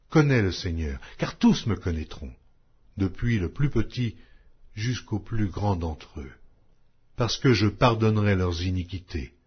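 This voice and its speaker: A man narrating an audio Bible in a solemn, measured, declamatory reading style. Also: fairly low pitch, slightly rough. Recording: dull lo-fi audio.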